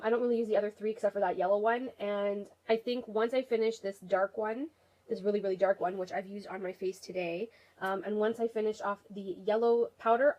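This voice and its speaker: A woman's voice: medium pitch, a little mellow, poor audio. A young woman with a head cold chats to her camera about her makeup, her voice nasal and congested. She rambles in a friendly, casual way, full of ums and restarts, speaking in a middle-range voice. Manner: chatty, rambling, many fillers. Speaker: beauty vlogger.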